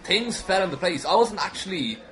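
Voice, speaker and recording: A young Irish man tells anecdotes as a podcast guest in an animated, self-deprecating way. He talks very quickly in a slightly high voice and swears casually. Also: noisy background. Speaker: podcast guest, wrestling commentator.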